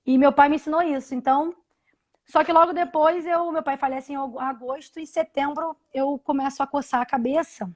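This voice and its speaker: A woman in her thirties telling a personal story on a live video call, halting, with many restarts and repeated words. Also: sits high, fairly even intonation. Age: 30s. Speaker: interview guest. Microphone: video call from home.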